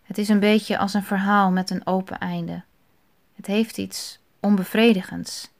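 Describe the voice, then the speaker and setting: A woman speaks a slow, reflective meditation in a quiet, thoughtful voice. At times she drops almost to a whisper. Her pitch sits in a middle range. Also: steady tone, creaky.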